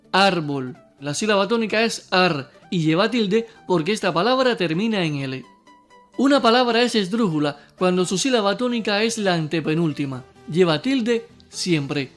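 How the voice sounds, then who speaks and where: A man with a high, light voice gives a scripted spelling lesson. He talks straight to the viewer, clearly and deliberately, and slows down to spell out each example word. Soft music plays faintly underneath. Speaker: teacher.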